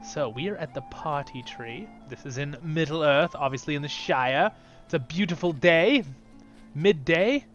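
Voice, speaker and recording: A man's voice: fairly high pitch, expressive, measured pace, highs cut off, faint music behind. A man hosting his channel, giving casual, chatty commentary while playing a fantasy game. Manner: upbeat, chatty, drifts into softer asides. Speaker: YouTube channel host.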